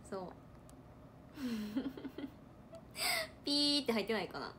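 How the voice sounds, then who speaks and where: Chatty Kansai young woman, lively pitch. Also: slight background noise. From Hyogo, Japan. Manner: chatty, animated, repeats words for emphasis. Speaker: idol trainee livestreamer. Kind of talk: casual livestream chat reading comments.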